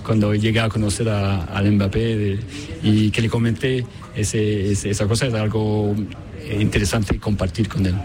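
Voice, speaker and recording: A man with a fairly low voice answers a reporter's questions at a busy event, pausing often and restarting his sentences. He is from Chile and works as a product designer. A crowd chatters clearly behind him. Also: flat delivery. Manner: hesitant, many fillers and restarts. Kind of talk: interview answers.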